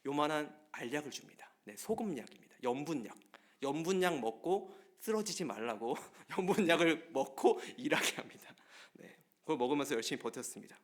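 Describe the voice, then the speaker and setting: Man, pastor; lively storytelling sermon, talks straight to the pews, swinging intonation. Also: on the high side, a little fast. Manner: lively storytelling, often addresses the congregation directly. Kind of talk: Wednesday service sermon. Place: church sanctuary.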